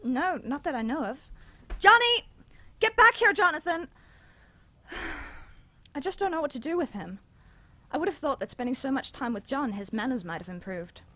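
A woman's voice: high voice, big pitch swings, normal speed, pauses often, pushed and bright, no room sound, exaggerated voice. A woman playing a doting, worried, middle-aged mother in an audio drama, fussing over her children. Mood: exasperated, trusting. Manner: fussing, concerned.

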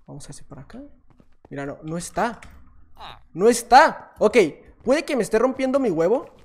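A man with a Mexican Spanish accent giving chatty, self-mocking gameplay commentary, with sudden excited shouts. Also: sits high, a little fast, a little hiss or hum. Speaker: gaming YouTuber.

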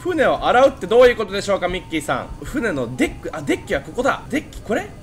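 Young guy doing horror game commentary, super lively voice jumping up and down, chats to viewers. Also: high voice, rapid-fire, faint music behind. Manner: animated, chatty, talks to viewers. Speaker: gaming channel host.

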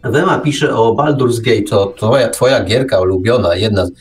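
A man's voice: lowish voice, moderate pace, distant mic, soft background music. Male radio host, slightly off the mic. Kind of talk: casual chat.

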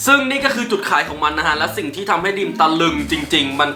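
A man talks as a casual online host, dropping English words into his commentary. His voice sits in a roomy echo, with music clearly playing behind him. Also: on the high side, sing-song, fast talker. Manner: mixes English words into Thai. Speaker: YouTube host counting down favourite cartoons. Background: background music.

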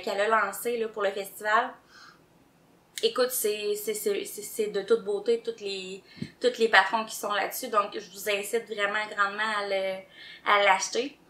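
A woman's voice: medium pitch, fairly bright tone. A woman with a Québécois French accent co-hosting a knitting podcast in casual chat, hesitant and stumbling over her words but enthusiastic. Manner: hesitant, many fillers and restarts, enthusiastic. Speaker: podcast co-host. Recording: roomy echo.

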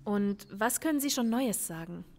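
An actress playing a measured, reasoning police investigator in a crime radio drama, speaking politely and deliberately. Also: female voice, mid-range voice, expressive, a little mellow, a little hiss or hum, lightly acted. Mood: reflective. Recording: long room reverb.

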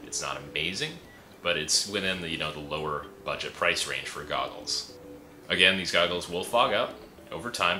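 A man's voice: low-pitched, bright, forceful tone, slight background noise. A young man giving a casual product review in an easygoing, chatty way, with frequent fillers, speaking indoors into a camera. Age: young adult. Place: indoor room with a pegboard wall. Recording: roomy echo.

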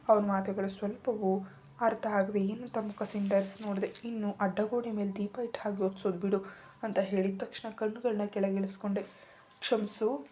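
Soft-voiced woman telling a story. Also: mid-range voice, slight background noise. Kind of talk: first-person story narration.

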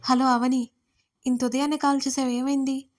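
A woman's voice: high voice, flat delivery, normal speed, close to an everyday voice. A woman voicing a worried, caring young male friend in an audio story, soothing and concerned.

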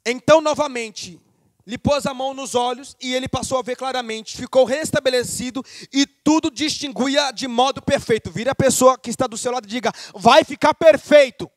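A man preaching a lively sermon, speaking straight to his congregation. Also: very high-pitched, fairly quick, no room sound, clean studio sound.

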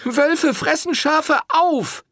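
A man's voice: drawn-out words, no room sound, studio quality, full character voice. Fiery young Sicilian woman, voiced by a man. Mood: desperate. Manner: shouting, defiant, raised high voice. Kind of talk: audiobook character voice.

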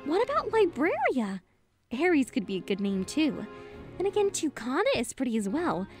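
An actress playing a chatty, friendly pony mare in a fan radio drama. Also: female voice, high voice, huge pitch swings, moderate pace, a little mellow, faint music behind. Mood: musing.

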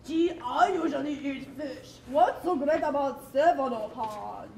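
A woman's voice: high-pitched, measured pace, vocal fry, a little mellow, a little hiss or hum. A woman voicing a friendly, laid-back male elephant seal in a live puppet show. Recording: echoey hall from far off.

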